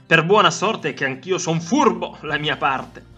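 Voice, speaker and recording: A man reading aloud and voicing a drunk, boastful young man who slurs and shouts in a raised voice. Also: animated, measured pace, faint music behind. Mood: tipsy boastful. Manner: loud, slurred, high and blustering.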